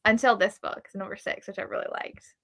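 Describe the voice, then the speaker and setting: A woman's voice: mid-range voice, fairly even intonation, a little fast, a bit bright. A woman chatting casually about books on a live show, peppering her talk with "like" and acting out quotes. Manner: heavy use of "like". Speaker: co-host of a book club readalong.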